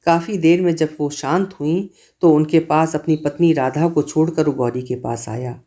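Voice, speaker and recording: A man reading a literary short story aloud as narrator, in a measured, expressive way. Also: a little high.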